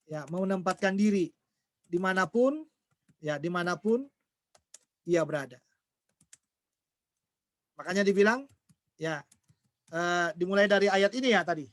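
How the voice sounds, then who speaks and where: A man's voice: sits high, unhurried, long pauses, a bit bright, dry recording. A man preaching a sermon who keeps asking the congregation questions and then answers them himself. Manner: acts out everyday quarrels in quoted voices.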